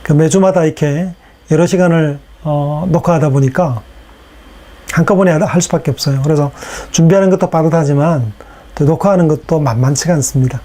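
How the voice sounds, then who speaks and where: Low-toned, mellow Korean male lecturer. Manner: casual and unhurried, with fillers and rhetorical questions. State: voice strained from hours of recording. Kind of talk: recorded video lecture.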